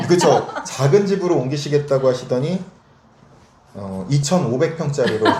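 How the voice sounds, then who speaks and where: Pausing long and often, a man with a fairly high pitch uses lively intonation over noticeable background noise. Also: moderate pace. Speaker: interview host. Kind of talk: casual interview questioning.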